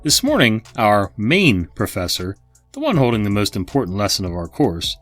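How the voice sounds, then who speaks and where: A man's voice: medium pitch, fairly bright tone. A man hosting a channel, reading online stories aloud with chatty asides to his viewers. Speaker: host and narrator.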